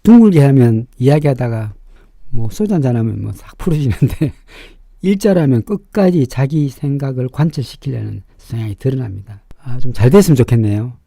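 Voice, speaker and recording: A middle-aged man speaks in a very dark, muffled-toned voice with a raspy edge. His pitch moves in lively swings as he explains and judges, leaning hard on key words. The recording is close and dry. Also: fairly quick, no echo. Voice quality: sharp-edged, raspy. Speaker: fortune-teller and face reader hosting a show. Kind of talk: informal explanatory commentary.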